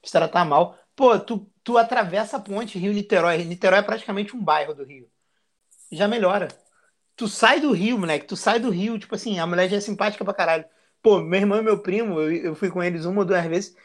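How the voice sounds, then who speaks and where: A man's voice: high voice, fast. A man, a podcast guest talking in a crude, slangy, boisterous way. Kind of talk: casual chat.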